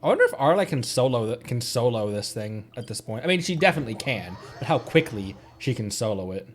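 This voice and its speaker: A man streaming a game, playful and animated, talking casually as he thinks aloud. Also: medium pitch, quick pace, slight background noise.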